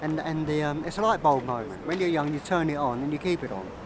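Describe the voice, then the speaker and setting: Noticeable background noise fills the recording. The speaker talks very fast. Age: 70s. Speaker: painter and model, street interviewee. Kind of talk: street interview. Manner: halting, repeats words.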